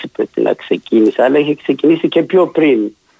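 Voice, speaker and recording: A man's voice, with a dry, close sound and no echo. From Ethiopia. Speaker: community activist and mechanical engineer. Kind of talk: radio interview. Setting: phone call. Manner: halting.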